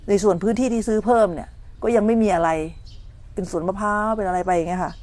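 Delivering a morning dharma talk, a middle-aged woman who teaches meditation talks fast in a medium-pitched, dark voice. She tells stories, mimics people complaining, and makes sure her audience understands.

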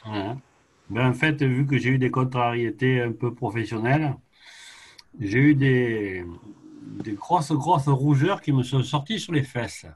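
A man's voice: mid-range voice, unhurried, darkish tone, husky. A man taking part in a casual online group chat, telling a personal story in a plain, matter-of-fact way. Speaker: call participant.

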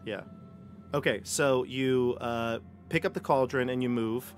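A man's voice: mid-range voice, measured pace, soft background music. A man running a tabletop game as game master over a video call, narrating loosely with lots of fillers. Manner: rambling, easygoing, many fillers. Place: home room, video call. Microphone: headset.

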